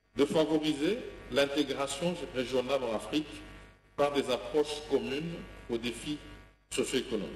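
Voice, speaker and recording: A man speaks at a moderate pace with ordinary pitch variation and long, frequent pauses. The room echo is audible, and there is light background noise. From Democratic Republic of the Congo. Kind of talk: parliamentary session chairing; formal report reading. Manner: formal. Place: hall. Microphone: podium.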